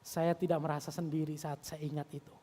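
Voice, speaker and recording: A man in his thirties, a youth pastor, giving an earnest sermon with a personal testimony, swinging between raised emphasis and hushed confession. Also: fairly high pitch, level tone, a little fast. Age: 30s.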